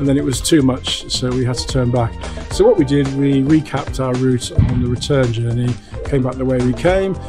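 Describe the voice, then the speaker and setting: Clear music plays in the background. Over it, a man talks at a fairly quick pace. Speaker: e-bike rider. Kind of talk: interview answer. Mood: pleased, relaxed. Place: garden.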